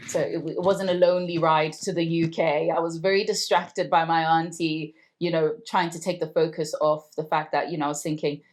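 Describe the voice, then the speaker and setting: A woman's voice: low-pitched, little pitch movement, a little fast, few pauses, rough recording. A woman in her thirties from Zimbabwe, whose first language is Ndebele, reflecting in a conversational way during an oral history interview. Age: 30s. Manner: reflective, conversational, warm storytelling.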